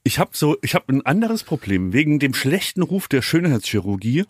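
Man, nasal broken-nose voice, animated intonation, informal, self-deprecating, dry room. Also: medium pitch, moderate pace, breathy edge, no room sound. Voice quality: slightly nasal, blocked on one side from an old broken nose. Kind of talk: casual comedic banter.

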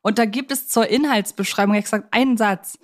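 A woman's voice: fairly high pitch, fairly quick. A woman co-hosts a podcast, discussing films casually in a chatty, appreciative way. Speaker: podcast co-host.

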